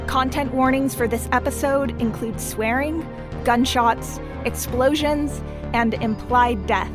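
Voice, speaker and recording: Female podcast announcer, fairly high pitch, scripted notice over clear background music. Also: slow. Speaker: content warning announcer.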